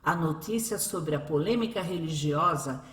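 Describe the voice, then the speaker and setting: A woman's voice: deep voice, normal speed. A woman reading scripted narration for a radio drama. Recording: roomy echo over music bed. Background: music.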